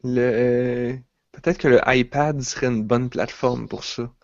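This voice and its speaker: A man's voice: mid-range voice, steady tone, unhurried, dull audio. A man with a Quebec French accent chatting casually on a podcast, rambling with restarts and fillers. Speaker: podcast co-host. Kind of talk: casual chat.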